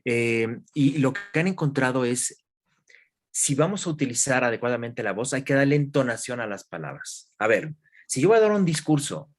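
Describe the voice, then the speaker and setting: A man, a guest expert in an interview, explaining calmly with examples and questions to the listener. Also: medium pitch, moderate pace. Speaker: guest expert in human development.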